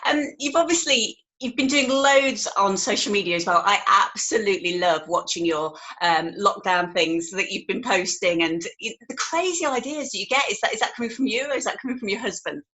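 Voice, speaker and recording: A woman's voice: mid-range voice, lively intonation, a little fast, few pauses, pushed and bright. A woman hosting a casual interview, enthusiastic and chatty, with plenty of fillers. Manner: enthusiastic, chatty, lots of fillers like 'like' and 'um'. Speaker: interviewer, host.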